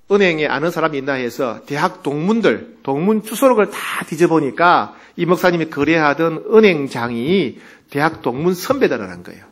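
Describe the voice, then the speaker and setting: A male pastor preaching a sermon, telling the story vividly and acting out its people. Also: a little high.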